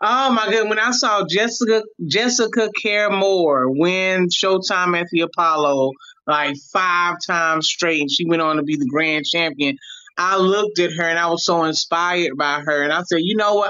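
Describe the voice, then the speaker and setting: This woman has an ordinary speaking voice, fairly low in pitch, with an American accent. She talks at a moderate pace with lively intonation and very even loudness. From North Carolina, Winston-Salem. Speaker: poet. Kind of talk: poetry performance and chat.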